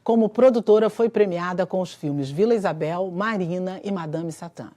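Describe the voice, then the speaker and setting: A woman's voice: fairly low pitch, normal speed, dark tone. A woman hosting a TV interview in a studio, reading an introduction and then chatting with frequent tag questions. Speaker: TV interview host. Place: television studio.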